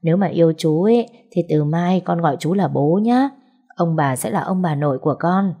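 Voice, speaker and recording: A woman's voice: on the low side, normal speed, warm tone, husky. A woman doing a fussing old grandmother. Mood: doting. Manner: scolding yet doting. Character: older grandmother, fussing and kindly.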